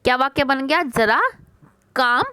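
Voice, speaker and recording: A woman teaching a worksheet lesson to young pupils. She asks a question, answers it herself, repeats the words slowly and calls the children "beta". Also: high-pitched, sharp tone, clear, resonant tone, no room sound. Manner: mixes English words like question, first into her talk.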